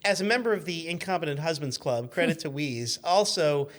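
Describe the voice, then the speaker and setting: A man's voice: fairly high pitch, fairly quick, a bit bright. A man speaking as a talk show guest, bantering casually with dry, wry humor.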